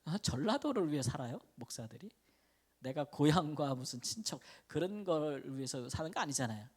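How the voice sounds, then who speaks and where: A man delivers a midweek Bible lecture as a pastor, talking conversationally with his congregation. His pitch moves around a lot, rising and dipping as he poses questions and answers them himself. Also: darkish tone. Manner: acts out quoted speech with a raised voice.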